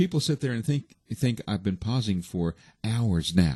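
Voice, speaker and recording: A man speaks in a somewhat breathy voice. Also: quiet background. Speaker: podcast host, public speaking coach. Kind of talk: casual podcast chat about public speaking. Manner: fast.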